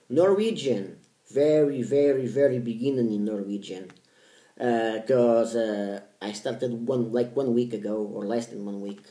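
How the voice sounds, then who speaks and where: A man's voice: mid-range voice, mellow, roomy sound. A man, talking casually to camera about his language studies and often restarting his words. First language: Portuguese. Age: 30s. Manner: halting, repeats words, stresses each language name. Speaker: language learning vlogger.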